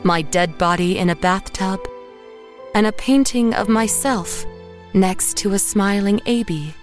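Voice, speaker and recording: An actress playing a haunted woman painter who narrates horror in a measured, literary way. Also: medium pitch, faint music behind, natural voice. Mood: grim, resigned. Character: haunted woman painter narrating her own murder, dazed and grim. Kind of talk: first-person horror audio drama narration.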